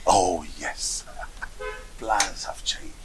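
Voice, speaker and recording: A man's voice: sits low, drawn-out words, over music. A man playing a whispering schemer. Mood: conspiratorial. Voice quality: whispering, conspiratorial. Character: scheming man plotting around a king's bride. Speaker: actor.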